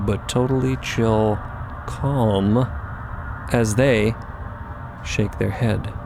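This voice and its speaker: A man's voice: on the low side, steady tone, extremely slow, gravelly, noisy background. A man delivering dramatic scripted narration for a fiction podcast.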